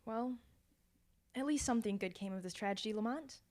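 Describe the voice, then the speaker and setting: Woman playing a high-voiced radio drama heroine. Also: a little fast, a little mellow, lightly acted. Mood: relieved, curious. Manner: dramatic, earnest. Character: frightened young lady, the hero's companion. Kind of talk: old-time radio drama acting.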